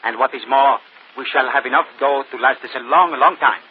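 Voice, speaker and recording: An actor playing a showy, mysterious aging stage magician with grand, stilted speech, in 1940s radio acting. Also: male voice, medium pitch, a little fast, lightly acted. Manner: grand, theatrical, stilted phrasing. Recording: dull old radio recording with faint hiss.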